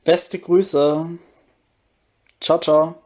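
A man leaves an informal spoken message of greetings. His voice is somewhat high for a man. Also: fairly even intonation, extremely slow. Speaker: podcast guest sending greetings.

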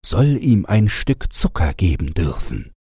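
Man playing a playful father, husky and animated. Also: low-pitched, measured pace, dry recording, clean studio sound, heavily acted. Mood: cheerful urging. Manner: calling out, gently chiding. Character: playful, fond father calling to his children.

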